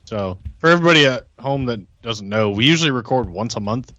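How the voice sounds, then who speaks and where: A man chatting casually as a game podcast player, halting and rambling a little. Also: mid-range voice, expressive, pushed and bright. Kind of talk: casual chat. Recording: roomy, dull lo-fi mic.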